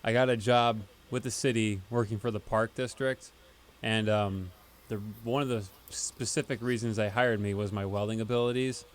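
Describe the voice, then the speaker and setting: A man co-hosting a casual podcast, explaining at length in a relaxed way with many fillers. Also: lowish voice, moderate pace. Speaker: podcast co-host, band member. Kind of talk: casual chat.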